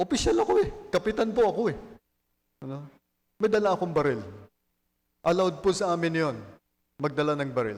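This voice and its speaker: This high-pitched man swings very widely in pitch and leaves long, frequent pauses. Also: fairly quick pace. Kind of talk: homily. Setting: church. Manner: conversational, with frequent fillers.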